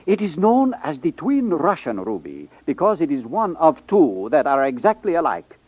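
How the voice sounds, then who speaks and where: A man's voice: on the high side, huge pitch swings, moderate pace, no echo. An actor playing a courteous, fussy middle-aged jeweler in a 1950s radio drama, speaking like a salesman with inverted phrasing. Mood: proud, courteous. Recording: dull 1950s radio recording.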